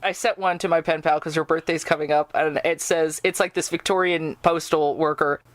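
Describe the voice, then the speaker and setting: A radio drama writer chats in a casual interview, telling anecdotes and acting out the lines she quotes. She speaks fairly quickly in a low-pitched, steady voice, with no echo in the recording.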